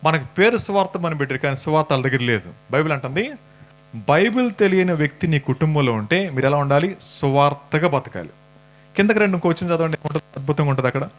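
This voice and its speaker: A man's voice: fairly high pitch, expressive, fast talker. Teasing man preaching a sermon. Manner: conversational, teasing, asks the congregation questions. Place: church hall.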